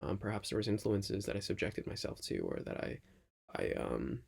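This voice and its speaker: A man talking casually to his audience in a reflective, halting monologue, often checking in with a questioning tag. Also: lowish voice, wildly swooping pitch, vocal fry, darkish tone, husky. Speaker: vlog host.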